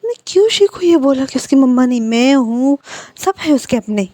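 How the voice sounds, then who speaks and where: A woman voicing a protective young man who tells the children firmly what to do and then comforts them gently. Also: mid-range voice, unhurried, no echo, close to an everyday voice. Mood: stern. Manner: firm scolding, then gentle soothing.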